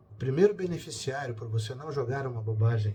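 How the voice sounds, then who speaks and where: At a moderate pace and medium pitch, a man speaks in a dark, mellow, somewhat breathy voice with lively intonation. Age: 60s. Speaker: spiritist group speaker. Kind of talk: spiritual reflection talk. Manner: animated.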